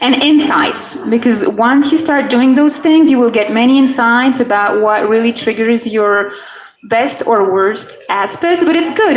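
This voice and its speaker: Noticeable background noise and audible room echo surround this recording. A woman with a fairly high pitch speaks at a moderate pace, using ordinary pitch variation. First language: French or Spanish. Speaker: community speaker on spirituality. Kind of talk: talk to a small audience. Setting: in front of an audience. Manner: halting, with repetitions.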